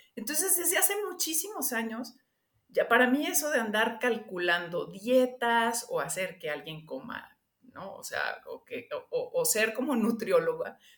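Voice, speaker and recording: A woman speaks in a high pitch at a fairly slow pace. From Mexico, raised by English mother and French father. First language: English (speaking Spanish). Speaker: nutritionist and eating behaviour researcher. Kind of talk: casual interview chat. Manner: halting, many false starts.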